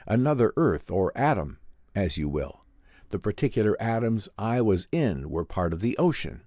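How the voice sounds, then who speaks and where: A man's voice: fairly low pitch, darkish tone, no echo, studio quality. A man reading a vintage science fiction story aloud in a theatrical, melodramatic first-person style. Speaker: audiobook reader.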